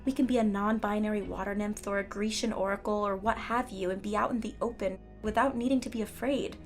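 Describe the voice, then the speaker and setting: Actress doing a calm principled townswoman, measured and persuasive, audio drama, soft music behind. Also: medium pitch, lightly acted. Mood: earnest, persuasive. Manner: measured, articulate, explanatory. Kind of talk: naturalistic audio drama dialogue.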